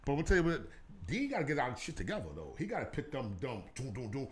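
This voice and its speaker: A man's voice: medium pitch, sing-song, fast talker. A man co-hosting a radio talk show, bantering playfully and interrupting with catchphrases. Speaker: radio co-host. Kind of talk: loud joking banter.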